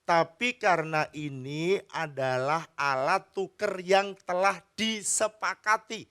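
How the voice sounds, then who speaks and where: A man's voice: high-pitched, takes it slowly, clean tone. A man preaching a sermon as pastor, telling stories and chatting with the congregation. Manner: animated storytelling, chats with the congregation. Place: church.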